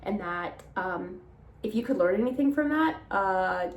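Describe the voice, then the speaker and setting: A woman's voice: mid-range voice, animated, unhurried, reverberant. A young woman, a small business owner, chatting casually to camera in a rambling vlog with a slightly nasal sound from allergies. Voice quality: chatty, rambling, laughs between phrases. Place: home.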